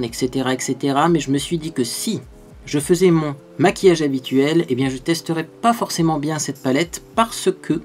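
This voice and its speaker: A man hosting a makeup tutorial in a casual, chatty way, animated and full of little fillers. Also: on the high side. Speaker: beauty video host.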